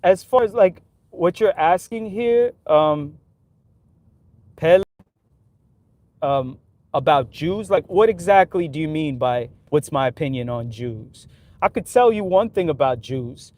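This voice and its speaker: A man's voice: fairly high pitch, lively intonation, a little slow, a little mellow. A man talking casually in a livestream, giving his opinions in loose street talk full of "like" and "right?". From New York City.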